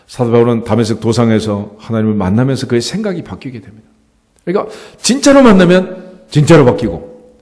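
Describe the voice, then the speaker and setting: Animated male pastor in reverberant church. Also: medium pitch. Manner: animated, conversational preaching with rhetorical questions. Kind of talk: sermon. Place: church sanctuary. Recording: church hall with long reverb.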